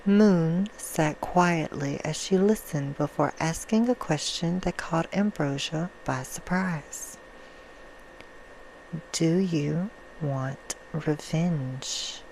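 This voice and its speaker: Noisy backdrop; woman as soothing, menacing female vampire, hushed and unhurried, for an ASMR bedtime story. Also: low voice. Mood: hushed storytelling. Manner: slow, hushed storytelling, drifting into whispers. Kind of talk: ASMR roleplay. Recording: clear background noise.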